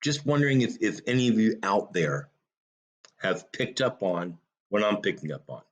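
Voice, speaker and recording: A man's voice: lowish voice, very animated, normal speed. Emphatic man hosting a talk show. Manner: emphatic, with rhetorical questions and short punchy repeats. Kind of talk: opinionated talk show commentary.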